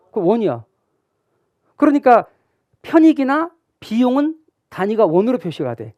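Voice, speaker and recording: Teaching a real estate exam class, a middle-aged lecturer speaks in a high-pitched, darkish voice with no room sound. He plays out questions students might ask, then supplies the answers himself.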